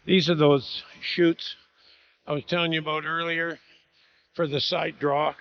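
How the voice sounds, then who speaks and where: A man with a fairly high voice talks slowly and quietly on a handheld camera. He is inside a big, empty metal grain bin, and each word echoes back off the curved walls. His walkthrough is relaxed and casual, with plenty of fillers. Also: smooth, dull audio. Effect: echoey voice inside a large metal grain bin. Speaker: farmer showing a grain bin build.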